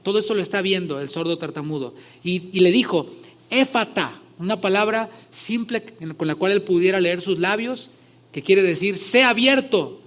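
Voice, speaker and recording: Male pastor, fairly high voice, conversational sermon with emphatic swells. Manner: conversational, rising loud when retelling scripture scenes.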